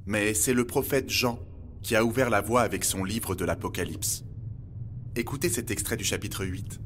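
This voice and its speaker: A man playing an electronic encyclopedia with an empathy module, a measured, learned guide in a scripted audio drama. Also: on the low side, steady tone, fairly bright tone, a little hiss or hum, close to an everyday voice. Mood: grave, explanatory. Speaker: narrator and guide. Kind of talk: scripted audio fiction, documentary narration. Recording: music under the voice. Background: music.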